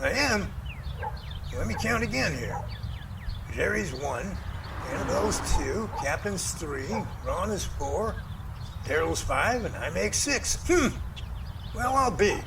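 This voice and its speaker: A man playing a folksy, excitable professor who leads a search team in an amateur audio drama, with theatrical, old-fashioned phrasing. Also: high-pitched, vocal fry, a little hiss or hum, heavily acted. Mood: organizing, puzzled.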